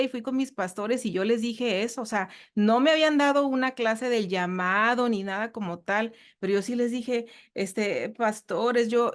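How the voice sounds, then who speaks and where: Earnest Mexican woman telling her story. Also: a little high. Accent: Mexican Spanish. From northern Mexico. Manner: earnest, repeats herself, many fillers. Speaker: church guest. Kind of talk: casual testimony interview.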